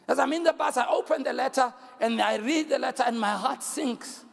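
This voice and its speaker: A South African man preaching in a church hall, his voice pushed very high and gravelly as he shouts and repeats lines for emphasis. The sound rings out with a long hall reverb. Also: a little fast. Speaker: bishop and pastor. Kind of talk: sermon.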